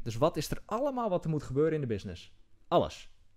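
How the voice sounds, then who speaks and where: A man talks at a very fast pace with lively intonation and a dark, mellow tone. The background is quiet. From Netherlands, Hoeksche Waard (South Holland); South Holland, Netherlands. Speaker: business coach. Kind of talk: interview. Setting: office. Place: meeting room. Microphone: studio mic.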